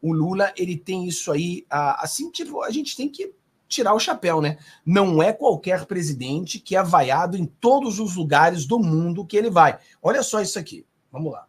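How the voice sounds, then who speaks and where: A man with a Brazilian accent hosting political commentary, animated and sarcastic, talking straight to his viewers. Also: high-pitched, normal speed, breathy edge. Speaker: host.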